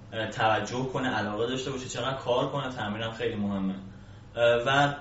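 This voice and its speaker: A programming instructor appearing as an interview guest answers questions casually, explaining things as he goes. His voice is mid-range and fairly bright. The distant mic makes it echoey and muffled, with faint hiss.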